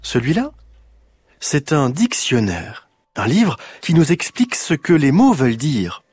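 A man voicing a kind, patient old grandmother who explains things gently in a storybook reading. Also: a little high, big pitch swings, measured pace, breathy edge, no room sound, pitched above the performer's own voice, full character voice. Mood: explaining.

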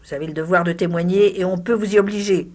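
A woman reading a short story, voicing a calm, severe male lawyer who speaks curtly. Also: on the low side, fast talker, natural voice. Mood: stern. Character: cool, stern middle-aged male lawyer.

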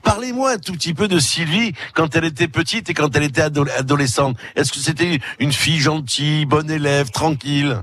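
A man's voice: fairly high pitch, brisk, few pauses, a bit bright, dry recording. A man hosting a live radio interview, asking friendly, leading questions. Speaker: radio host.

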